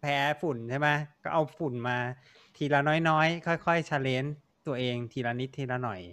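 Man doctor explaining things slowly. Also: a little high, fairly bright tone. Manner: explains a medical treatment step by step. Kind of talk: casual podcast chat.

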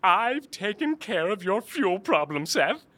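An actor playing a gleeful, unhinged mad scientist in an audio drama, with a theatrical, wildly swinging delivery. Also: male voice, high-pitched, very animated, measured pace, bright, forceful tone, full character voice. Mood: condescending.

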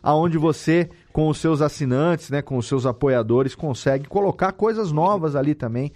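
A man's voice: on the high side, moderate pace, darkish tone. A man with a Brazilian Portuguese accent hosting a casual, chatty podcast interview, informally rephrasing as he goes. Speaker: podcast host.

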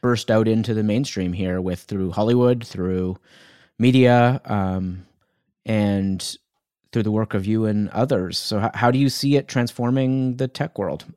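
A man interviewing a guest, asking thoughtful, measured questions. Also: on the low side, darkish tone, clean tone, no room sound, clean studio sound.

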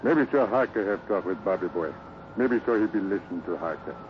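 An actor playing a loyal, gentle ranch hand who speaks earnest broken English with a foreign accent in a 1950s radio western. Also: male voice, sits low, animated, a little fast. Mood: concerned. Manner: broken pidgin grammar, earnest and soothing. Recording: muffled, noisy old radio recording.

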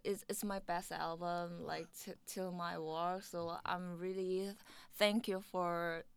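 A young adult woman from Korea with a Korean accent, chatting as an interview guest, halting and searching for English words, often laughing. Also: fairly low pitch, little pitch movement, creaky, clean tone, no room sound. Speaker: guest musician. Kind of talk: casual interview chat.

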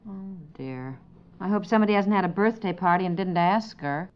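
A woman's voice: medium pitch, a little fast, smooth, natural voice. A woman playing a sensible, caring housewife and mother in a 1950s radio comedy, with natural, matter-of-fact conversational delivery. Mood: concerned, practical. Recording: dull 1950s radio recording.

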